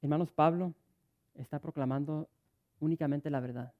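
A man's voice: on the high side, fairly even intonation, normal speed, narrow, tinny audio. A middle-aged man preaching a sermon, telling stories with many stuttered restarts. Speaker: pastor.

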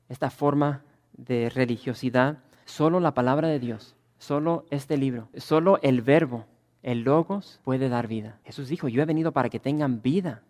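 A man preaching a sermon, rising to loud emphatic swells and dropping to quiet passages. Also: mid-range voice. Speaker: pastor.

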